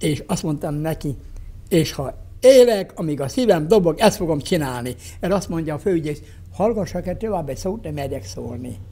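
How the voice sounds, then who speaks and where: A man with a fairly high, dark and mellow voice shows vocal fry, very wide pitch swings and big swings in loudness. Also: moderate pace. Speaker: retired bishop. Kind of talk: testimony. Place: home room.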